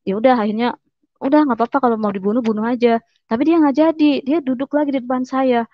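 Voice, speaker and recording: A woman's voice: on the high side, steady tone, fast, dry recording, dull audio. A woman giving a personal testimony, telling her story earnestly and often repeating words as she goes.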